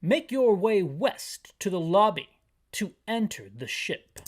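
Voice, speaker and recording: A man reading as a brisk radio HQ officer. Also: high voice, sing-song, full character voice. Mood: briefing.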